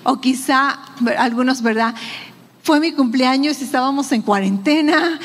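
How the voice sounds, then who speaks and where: Predicadora de voz aguda en sala resonante. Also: female voice, high-pitched, long reverb tail. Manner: conversational preaching with rhetorical questions. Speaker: pastor. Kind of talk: sermon. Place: church hall.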